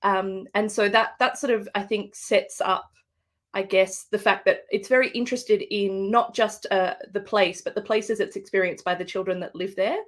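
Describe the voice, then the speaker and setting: A woman's voice: medium pitch, fairly even intonation, normal speed. Australian woman musing in a book interview. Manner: thoughtful, meandering with fillers and restarts. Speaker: guest author. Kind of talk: live video-call book interview. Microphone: video call.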